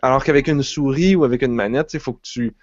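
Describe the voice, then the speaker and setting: A man's voice: mid-range voice, fast, dry recording, highs cut off. A man with a Quebec French accent chatting casually on a podcast, rambling with restarts and fillers. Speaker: podcast co-host. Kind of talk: casual chat.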